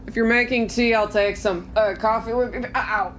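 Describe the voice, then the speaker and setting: A woman's voice: on the high side, steady tone, moderate pace, slight background noise, voice pushed up, lightly acted. A woman playing a down-on-his-luck male private investigator in a tabletop game, dry and offhand. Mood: pained, evasive. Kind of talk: tabletop roleplay.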